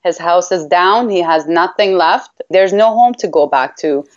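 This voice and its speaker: A woman's voice: fairly low pitch, measured pace. A woman from Iraq giving heartfelt interview answers as a campaigner, earnest and emphatic, repeating phrases for weight. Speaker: human rights campaigner, interview guest. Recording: dull, lo-fi line.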